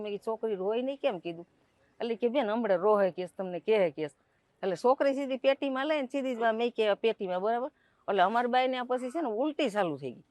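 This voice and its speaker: A middle-aged woman gives an emotional eyewitness account as a relative of the patient, acting out the staff's words and her own in rapid back-and-forth dialogue. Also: on the high side, darkish tone, no room sound. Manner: recounts events by quoting staff and herself in rapid dialogue.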